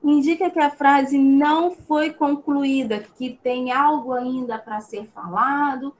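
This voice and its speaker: A woman's voice: sits high, steady tone, slow, slight background noise, poor audio. A Brazilian woman teaching an online class, patiently explaining and checking in with frequent tag questions. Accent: Brazilian Portuguese. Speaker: schoolteacher.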